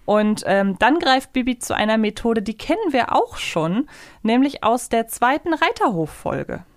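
A woman's voice: a little high, very animated, measured pace, dry recording, clean studio sound. A woman co-hosting a casual review podcast, rambling and correcting herself as she goes. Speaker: podcast co-host.

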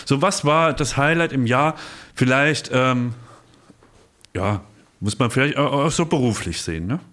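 A man's voice: mid-range voice, a little slow, a bit bright. A man in casual podcast chat, dryly steering the talk toward a wrap-up question.

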